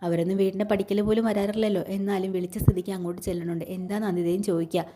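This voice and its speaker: Fast-talking woman retelling a serial. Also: medium pitch, flat delivery, dark tone. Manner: chatty, often ends sentences with a tag asking the listener to note it. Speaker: serial recap narrator. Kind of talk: casual retelling of a TV serial episode.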